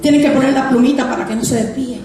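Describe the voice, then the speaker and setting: A woman's voice: high-pitched, quick pace. A woman pastor giving a testimony sermon, acting out her conversations with God. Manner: animated, acts out dialogue with God. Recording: echoey hall, distant mic, music.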